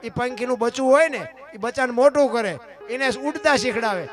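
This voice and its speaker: A man's voice: extremely high pitch, a little fast. A man telling folk wisdom to an audience, folksy and rhetorical, often calling out to his listeners. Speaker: folk storyteller. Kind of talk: folk storytelling talk to an audience.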